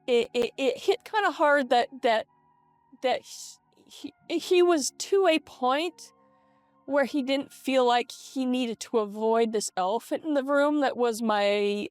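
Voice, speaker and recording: Young woman vlogger, voice-changer effect, highish pitch, halting confessional chat, close dry sound over soft music. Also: clean tone, no room sound. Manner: hesitant, halting, self-interrupting with repeated words. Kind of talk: casual confessional vlog talk. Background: soft lo-fi video game music.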